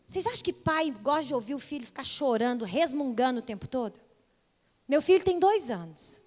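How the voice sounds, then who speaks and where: A young woman pastor preaches with fervor, her high voice building through repeated calls. Her voice carries a long reverb from a church hall. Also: expressive, fairly quick. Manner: impassioned preaching, rising to loud repeated calls. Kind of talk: sermon.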